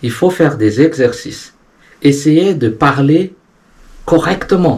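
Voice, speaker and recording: The speaker talks at a very slow pace in a somewhat breathy voice with ordinary pitch variation. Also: man. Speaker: entrepreneur and advice video host. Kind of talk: motivational advice talk.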